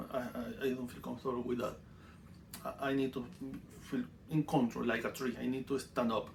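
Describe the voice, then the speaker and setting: A man from Venezuela with a Venezuelan Spanish accent, teaching a simple spiritual ritual in halting, broken English with dry humor. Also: medium pitch, vocal fry, a little hiss or hum. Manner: halting, many fillers and restarts, dry humor. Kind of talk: casual teaching monologue.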